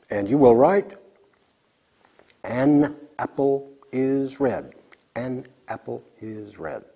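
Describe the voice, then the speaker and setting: A man teaching a recorded English lesson, slowly drilling example sentences for learners to repeat. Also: medium pitch, warm tone, breathy edge.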